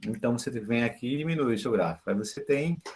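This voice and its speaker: A man's pitch climbs and falls very widely as he moves along fairly quickly. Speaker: statistics professor. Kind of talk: online lecture tutorial.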